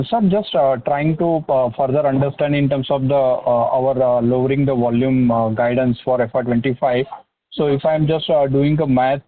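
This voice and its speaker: Through a thin phone line, a male financial analyst with an Indian accent puts questions to management. His pitch is average and his delivery is halting, often circling back over phrases. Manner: halting, hesitant, repetitive phrasing. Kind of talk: questioning management on an earnings call. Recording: narrow phone-line sound.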